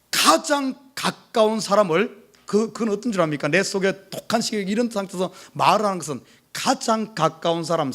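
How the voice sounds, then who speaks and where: A male pastor preaching to his congregation, emphatic, with many rhetorical questions, swinging from urgent pleas to hushed asides. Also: high-pitched. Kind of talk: sermon. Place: church service.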